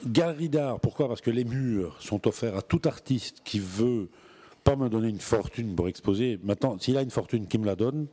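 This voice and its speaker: A man talks about his gallery in a mellow, darker voice. He speaks with passion and emphasis and stumbles over repeated words as he hunts for the next thought. The feel is a relaxed, casual interview. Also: medium pitch, moderate pace, husky. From Belgium. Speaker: gallery owner. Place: art gallery.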